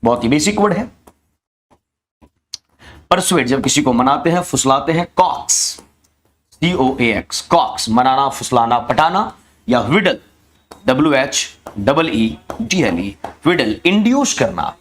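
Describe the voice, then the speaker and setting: A man teaching for a teachers' exam, explaining in Hindi and reading phrases slowly. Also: mid-range voice, sing-song. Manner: explains in Hindi, reads English slowly and spells words out. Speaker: English teacher. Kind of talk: exam-prep lesson.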